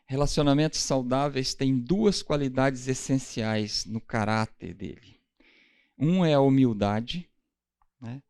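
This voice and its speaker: A man's voice: medium pitch, takes it slowly, a little mellow, clear, resonant tone, no echo, studio quality. A man with a Brazilian Portuguese accent teaching a Bible class in a conversational way, often checking in with his listeners. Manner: conversational, often adds the tag question "né?"; asks the class questions directly.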